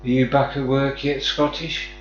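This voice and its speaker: A man from the West Midlands with a Black Country accent talks at normal speed in a medium-pitched, fairly flat voice, with slight background noise. He's having a friendly, matey casual chat with viewers on a live stream. The audio is dull, the room echoey, and faint music plays.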